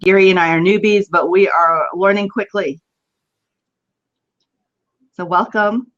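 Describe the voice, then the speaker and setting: A woman's voice: medium pitch, fairly even intonation, measured pace, a bit bright. A woman with a West Texas drawl, chatty and informal as she hosts a casual live stream. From West Texas, United States. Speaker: host of an online video chat. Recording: dull lo-fi web video call.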